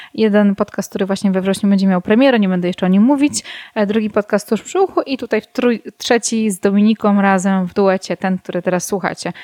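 In a very clean recording with a silent background, the voice moves at a very fast pace with a dark, mellow tone and fairly even intonation. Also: woman, medium pitch for a woman. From Poland, Warsaw. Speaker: podcast co-host, talent coach. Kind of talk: casual podcast conversation.

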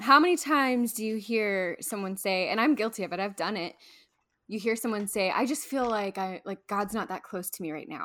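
Against a silent background in a very clean recording, a woman with an American accent speaks at medium pitch with a bright, sharp tone and lively intonation. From US Midwest. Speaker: podcast co-host, Bible teacher. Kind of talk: Bible teaching chat.

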